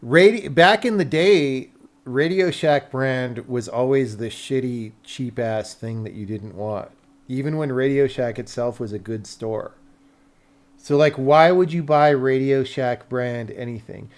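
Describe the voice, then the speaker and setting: Chatting casually on a livestream, a medium-voiced American guy walks through technical topics off the top of his head, wandering as he reasons things out. He takes his time, and his language stays relaxed with the odd mild swear.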